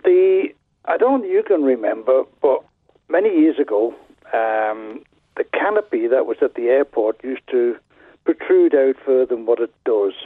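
A man calling a radio phone-in over the telephone, talking casually in a halting, pondering way. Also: mid-range voice, lively intonation, no echo. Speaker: phone-in caller. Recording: narrow, muffled phone line.

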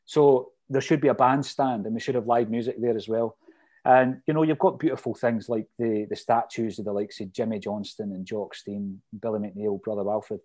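A man's voice: on the low side, steady tone, normal speed, warm tone. A middle-aged man with a Fife Scottish accent, reminiscing casually in a chatty, detailed, anecdotal way. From Fife, Scotland. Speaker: interview guest, lifelong football supporter.

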